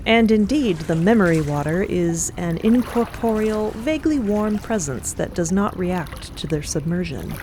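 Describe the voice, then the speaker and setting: A woman's voice: on the low side, lively intonation, normal speed, hardly any pauses, background noise. A woman reading scripted story narration for an audio drama in a dramatic style.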